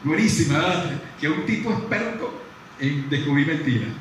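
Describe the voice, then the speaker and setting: A man gives a live lecture in a large room, his fairly high voice caught from a distance by a room mic. The hall rings with strong echo, and a faint hiss sits underneath. He talks in a lively, conversational way and keeps asking the audience questions. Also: moderate pace. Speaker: psychologist lecturing dentists. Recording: very echoey hall from far off, faint noise.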